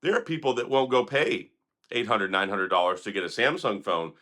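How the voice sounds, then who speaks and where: Hoarse, sarcastic tech vlogger man. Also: on the low side, expressive, a little fast, pushed and bright. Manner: sarcastic, critical, rambling. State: hoarse, recovering from illness. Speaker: tech video host. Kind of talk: opinionated tech commentary vlog.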